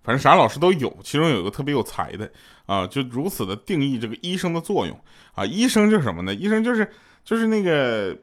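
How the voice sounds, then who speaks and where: Chuckling man telling jokes, lively pitch. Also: fast talker. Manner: laughs often between punchlines; loose, conversational, many fillers. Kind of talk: chatty comic storytelling.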